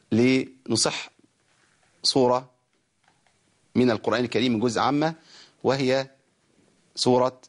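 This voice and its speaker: A man with an Egyptian Arabic accent hosting a broadcast lesson on Quran recitation, explaining rules and slowly chanting verses of a teaching poem. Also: mid-range voice.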